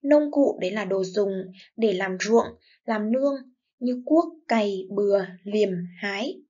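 A woman teacher giving a reading lesson to young pupils, with slow, clear, expressive model reading and word-by-word explanations. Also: medium pitch, lo-fi sound. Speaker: primary school teacher.

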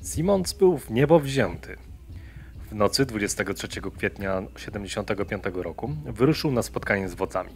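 A man reading a scripted true-crime story in a measured storytelling manner. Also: on the low side, expressive, faint music behind. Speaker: narrator of a true-crime channel.

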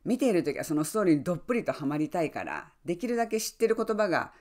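A woman's voice: fairly low pitch, very animated, rapid-fire, a little mellow. Woman english coach, friendly and encouraging, voice swings up and down a lot. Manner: friendly, encouraging, often adds "ne" tags. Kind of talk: advice talk to camera.

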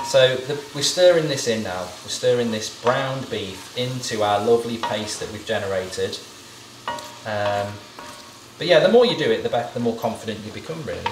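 A man's voice: on the low side, distant mic, background noise. A man in his thirties hosting a home cooking video, chatting casually and rambling off into jokes while he cooks. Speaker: cooking show host. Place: home kitchen, indoors. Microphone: camera mic at a distance. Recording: echoey kitchen, mic set back.

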